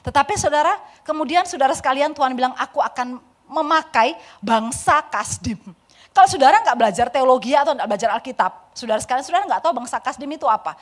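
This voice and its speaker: A woman in her forties preaching a sermon in church, swinging from loud pleading to soft, confiding talk. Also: sits high, animated, quick pace. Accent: Indonesian. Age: 40s. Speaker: pastor. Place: church sanctuary.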